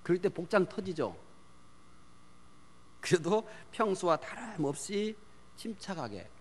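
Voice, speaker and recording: A man preaching a sermon on parenting, asking the congregation questions and answering them himself, swinging from loud emphasis to hushed near-whispers. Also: high voice, big pitch swings, a little slow. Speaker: pastor. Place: church sanctuary. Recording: long church hall reverb.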